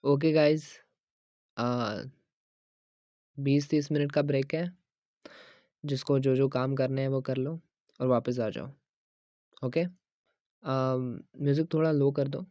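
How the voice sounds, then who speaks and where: Whispered role-play: man as a teasing young gym trainer, husky and slow, soft coaxing delivery. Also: no echo. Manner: soft, coaxing, teasing with frequent low laughs; mixes Hindi and English phrases. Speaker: ASMR creator.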